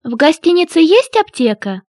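A woman reads brief translated phrases in a language course, clearly and evenly. Her voice is high and lively in pitch. The recording is dry and close. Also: moderate pace, no room sound. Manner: clear, even reading of short phrases. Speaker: Russian translation reader. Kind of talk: reading Russian translations in a course.

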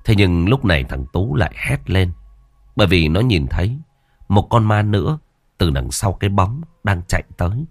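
A man's voice: deep voice, very animated, normal speed, no room sound. A man narrating a ghost story in a vivid, colloquial way.

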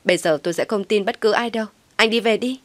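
A woman voicing a distraught young mother who cries out in shrill outbursts. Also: a little fast, no echo, close to an everyday voice.

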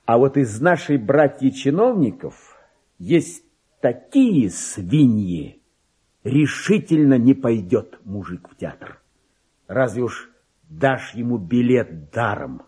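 A man's voice: mid-range voice, very animated, takes it slowly, mellow, breathy edge, exaggerated voice. An actor playing a vain, resentful middle-aged clerk in a radio play, pompous and exclamatory, as if muttering his diary to himself. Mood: pleased, musing. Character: petty forty-two-year-old male clerk, vain, resentful, self-important. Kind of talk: theatrical radio play monologue, diary read aloud.

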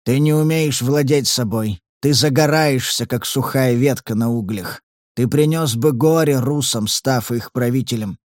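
A man voicing a stern, calculating old male patriarch who speaks slowly and low in an audiobook. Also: no room sound, studio quality, natural voice. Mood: cold, measured. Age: older. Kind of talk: audiobook character reading.

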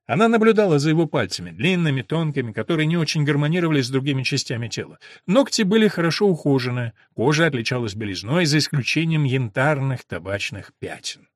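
A man narrating a novel in an expressive storytelling manner. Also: fairly high pitch, fast talker, no echo, studio quality. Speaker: audiobook narrator.

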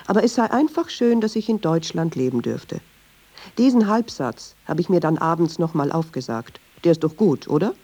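A woman's voice: low voice, animated, normal speed, mellow, slightly rough, no echo. An actress playing a brooding, self-questioning Jewish woman in a radio play, musing wryly and often questioning herself. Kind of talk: radio play, introspective monologue.

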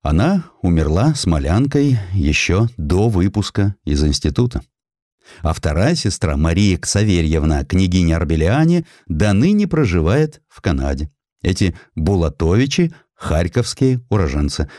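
A man with a low voice narrates a literary audiobook. His delivery is highly animated, with rhetorical turns and emphatic pauses. The sound is dry and close. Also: no room sound. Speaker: audiobook narrator, reading in the author's first person. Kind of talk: expressive dramatized literary narration.

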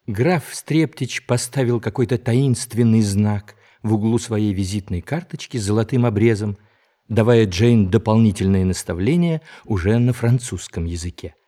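A man's voice: lowish voice, moderate pace, warm tone. A man reading scripted narration for an audio drama.

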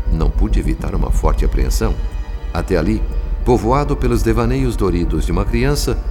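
A man narrating a spiritual radio drama in a grave, dramatic storytelling manner. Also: deep voice. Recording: radio drama with music bed.

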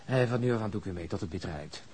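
An actor playing a world-weary deputy chief inspector in a radio drama, with a blunt, wry way of talking. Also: male voice, fairly low pitch, lively intonation, rapid-fire, a little mellow, husky. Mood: grudging, resolute. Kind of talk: naturalistic radio drama acting.

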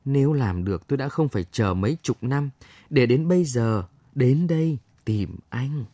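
A man reading aloud, voicing the ghost of a young woman who speaks in a gentle, mournful, pleading way. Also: medium pitch, lively intonation, moderate pace, dry recording, close to an everyday voice. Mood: sad pleading. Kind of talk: audiobook story reading.

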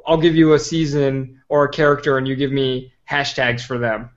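A man's voice: mid-range voice, little pitch movement, normal speed. A man talking as a guest on a casual podcast, opinionated and long-winded, full of "like"s. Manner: opinionated, talks at length with many "like"s. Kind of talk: casual chat. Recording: slightly dull lo-fi audio.

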